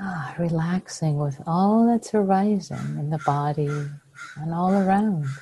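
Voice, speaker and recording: A woman leading a guided meditation as a teacher, speaking softly and soothingly with long pauses, her breathy voice at times close to a whisper. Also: low voice, slight background noise.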